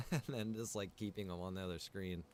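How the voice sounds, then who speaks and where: A man giving casual live gaming commentary as a streamer, rambling and thinking out loud. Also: low-pitched, normal speed, slight background noise. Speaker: game streamer.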